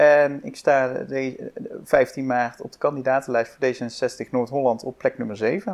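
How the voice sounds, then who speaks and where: With a slight Brabant accent, a man talks at a fairly slow pace in a medium pitch, using ordinary pitch variation and big swings in loudness. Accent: slight Brabant soft G. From Brabant, southern Netherlands. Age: 20s. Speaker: political candidate and policy adviser. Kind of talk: interview.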